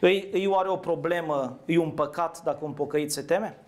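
A man preaching a sermon in a conversational way, asking his listeners questions and answering them himself. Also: on the high side. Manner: asks the audience questions, conversational. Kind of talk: interactive sermon.

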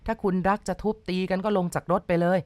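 A frightened man behind the wheel, slow and strained, pleading with his passengers, as a woman narrator plays him. The voice is dry and close to the mic. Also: on the low side, steady tone, darkish tone, no echo, natural voice. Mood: firm. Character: nervous male taxi driver, firm but scared.

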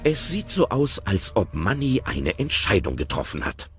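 A man narrating an audio drama in a calm, storytelling manner. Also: lowish voice, moderate pace, soft background music.

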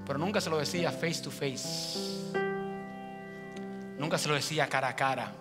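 A pastor in his forties with a Dominican accent, preaching a sermon and moving between loud appeals and quiet asides. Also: on the high side, moderate pace. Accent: Dominican Spanish. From Dominican Republic. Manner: preaching with sweeping gestures, voice swinging from loud to soft. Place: large church sanctuary with red seating. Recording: church hall reverb, faint music.

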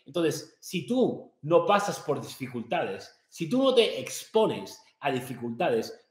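Brash motivational influencer, somewhat high-pitched, swears constantly and lectures the viewer, recorded in a roomy, echoey office. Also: male voice. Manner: brash, profane and confrontational, gesturing broadly. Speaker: fitness and business influencer. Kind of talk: motivational rant to camera. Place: small home office, indoors. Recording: echoey room.

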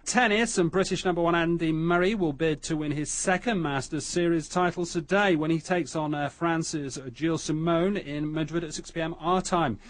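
A man's voice: on the high side, moderate pace, hardly any pauses. A man reading a scripted news and sports bulletin in a radio newsreader style.

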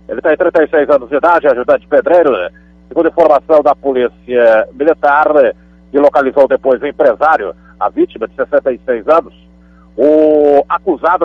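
A man with a Brazilian Portuguese accent delivers the police bulletin on a thin, phone-like line that sounds close and dry. His voice is a bit husky, and his reporting is chatty and emphatic. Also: fairly high pitch, dry recording. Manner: conversational, emphatic asides.

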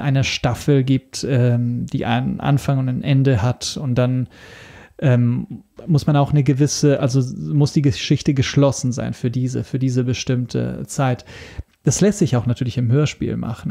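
Halting, gravelly man. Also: medium pitch, warm tone. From Italy. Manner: halting, searching for words with repeated starts. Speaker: podcast guest. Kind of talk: casual interview talk.

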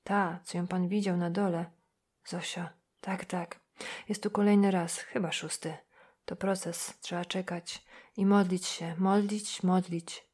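Kobieta odgrywająca starego księdza, który mówi cicho i półszeptem, spokojnie, ale stanowczo. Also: female voice, flat delivery, measured pace, husky. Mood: hushed. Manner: hushed, half-whispered, low. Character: old male priest, calm, insistent.

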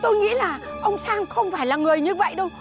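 A woman's voice: very high-pitched, fairly quick, creaky. Pleading old woman. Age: older. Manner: pleading, soothing. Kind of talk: TV drama acting. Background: loud background music.

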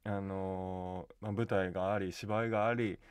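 A man's voice: low-pitched, steady tone, normal speed, clean tone, no echo. A young man talking casually as a guest actor in a radio studio. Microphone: studio microphone.

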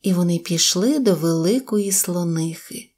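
A woman narrating a children's audio tale in a slow, gentle storytelling manner. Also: fairly low pitch, breathy edge. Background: faint music.

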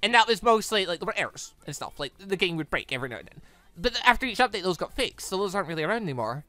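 A man's voice: high-pitched, sing-song, very fast, pushed and bright, no room sound. A man hosting a gaming channel, rambling enthusiastically as he wraps up a visual novel playthrough. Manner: rambling, enthusiastic, many restarts. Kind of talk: casual game wrap-up commentary.

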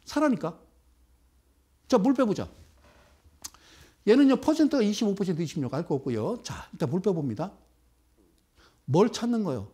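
A man's voice: high voice, very animated, moderate pace, long pauses, warm tone, slightly rough. A middle-aged man giving a live broadcast lecture on stock trading, bantering with viewers and firing off rhetorical questions.

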